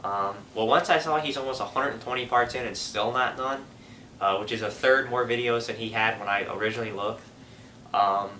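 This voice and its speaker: A man's voice: mid-range voice, a little fast, bright, forceful tone, a little hiss or hum. A young man with a stuffy nose from a cold, hosting a casual gaming vlog update with lots of fillers and restarts. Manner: rambling, frequent fillers and restarts. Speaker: gaming channel host. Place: room at his family home. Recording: echoey room, mic at a distance.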